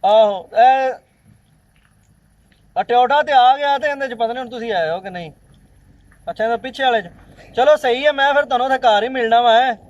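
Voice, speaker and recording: A man with a Pakistani Punjabi accent playing a bossy, impatient village man in an amateur drama, loudly talking over the others. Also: very high voice, brisk, pauses often, dry recording, dull audio. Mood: insistent.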